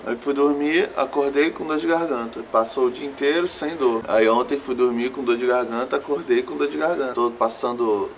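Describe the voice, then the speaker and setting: A man's voice: medium pitch, recorded from a distance, a little hiss or hum. A young man vlogging casually to camera with a sore throat, speaking in a slangy, chatty way outdoors. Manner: slangy, talks straight to camera. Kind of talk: casual vlog chat. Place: outdoors against a sunny wall.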